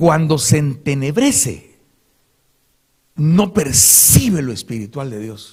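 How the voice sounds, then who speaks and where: A man speaking at a very slow pace, with very wide pitch swings. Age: 60s. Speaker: pastor. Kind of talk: sermon. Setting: pastors' retreat with audience.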